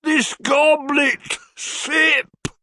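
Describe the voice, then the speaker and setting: A man voicing an eccentric, lovesick old gentleman in a storybook reading, drawing out his flowery words in a swooping, theatrical way. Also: very high voice, level tone, dry recording, clean studio sound, pitched above the performer's own voice, exaggerated voice. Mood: theatrically adoring. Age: over 60. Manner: drawn-out, swooping, flowery declamation.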